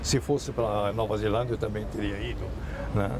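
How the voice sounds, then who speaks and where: A man's voice: fairly low pitch, little pitch movement, moderate pace, background noise. A man in his eighties from Germany, a native German speaker, answering interview questions hesitantly with restarts. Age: 80s. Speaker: author, interview guest.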